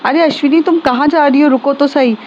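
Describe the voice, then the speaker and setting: A pushy young man who insists he is the boyfriend, pressing and coaxing in a fairly high voice, as a woman reading a story puts him on. The recording is dull and lo-fi, with a faint hiss underneath. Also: steady tone, fairly quick. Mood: calling after.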